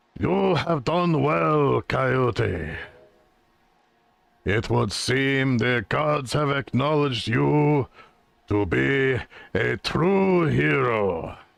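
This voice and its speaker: A man's put-on character voice at a medium pitch, very slow, with long, frequent pauses. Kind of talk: solemn fantasy mentor. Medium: game stream. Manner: grave, formal, evasive.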